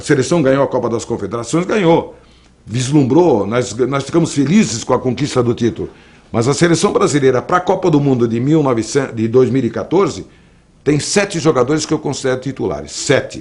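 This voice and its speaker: A man talks at a fairly quick pace in a medium pitch, somewhat breathy, with lively intonation. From southern Brazil, Blumenau (Santa Catarina). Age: 60s. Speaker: sports radio commentator. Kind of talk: interview. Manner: animated.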